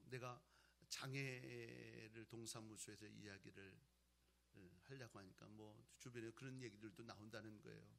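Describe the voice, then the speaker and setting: A male pastor preaching a sermon, moving between loud exhortation and quiet, conversational storytelling. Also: medium pitch, vocal fry.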